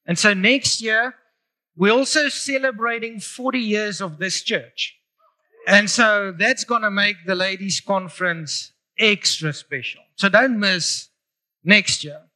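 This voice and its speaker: A man's voice: sits high, pushed and bright, low-quality recording. A middle-aged man with a South African English accent, preaching a sermon in church, moving from prayer to chatty, upbeat talk with the congregation. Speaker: pastor. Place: church hall.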